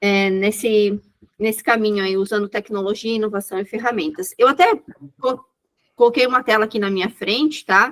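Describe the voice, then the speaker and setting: With ordinary pitch variation, a woman's fairly high voice moves along at a moderate speed. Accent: southern Brazilian. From southern Brazil. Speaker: innovation executive and speaker. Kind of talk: online presentation.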